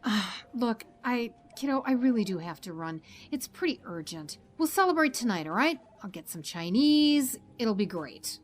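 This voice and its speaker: An actress playing a caring, principled doctor in an audio drama, earnest and gently firm. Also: female voice, fairly high pitch, sing-song, normal speed, few pauses. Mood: hurried, affectionate. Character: caring, principled woman doctor, torn by duty.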